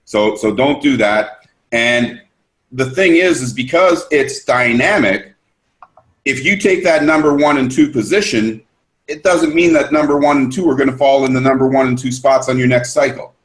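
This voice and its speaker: Male presenter on a group call, eager, repeats himself, mid pitch. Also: normal speed. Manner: enthusiastic, repetitive, restarts often. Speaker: presenter of the business system.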